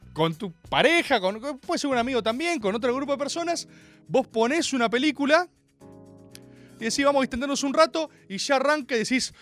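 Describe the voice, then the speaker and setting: A man with an Argentine accent hosting a comedic live chat show, joking and talking straight to his audience. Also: very high-pitched. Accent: Rioplatense Spanish. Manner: animated and joking, addresses the audience. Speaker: host.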